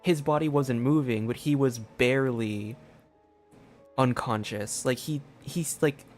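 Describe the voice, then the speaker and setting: Male streamer, mid-pitched, casual and slangy, rambling game commentary over faint music. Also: measured pace, darkish tone.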